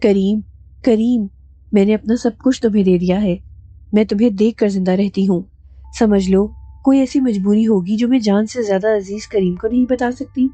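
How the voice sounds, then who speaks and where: A woman's voice: medium pitch, warm tone, slightly rough, no room sound, natural voice. A woman voicing a frightened young wife who hides a secret, speaking weakly and stammering. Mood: fearful. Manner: faltering, weak and stammering.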